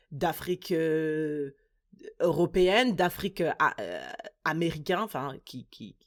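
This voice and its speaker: Low-voiced woman mixing French and English. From Central Africa. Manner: switches between French and English mid-sentence, hesitant restarts. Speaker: podcast co-host. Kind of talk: casual chat.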